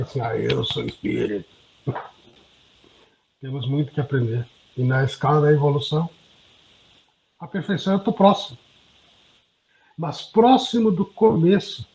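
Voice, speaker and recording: A man's voice: a little high, a little mellow. A man sharing earnest, self-deprecating reflections in a group discussion over a video call. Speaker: study group participant. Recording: dull lo-fi audio.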